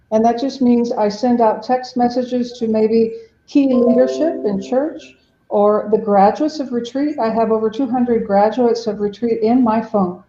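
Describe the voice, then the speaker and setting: A fairly high-voiced woman with a dark, mellow tone speaks earnestly as a podcast guest, acting out the words of the people she describes. Her audio sounds roomy and a little dull, as from a remote connection. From Mexico. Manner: earnest, explanatory, acts out quotes. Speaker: ministry director, guest. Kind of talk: podcast interview.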